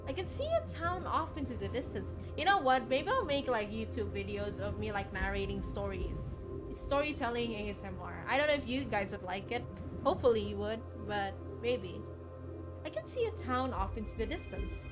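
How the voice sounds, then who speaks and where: A woman game streamer reading a visual novel aloud in an expressive, dramatic storytelling style. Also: on the high side. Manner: expressive, dramatic read-aloud with casual asides. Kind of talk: soft storytelling narration. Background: game music.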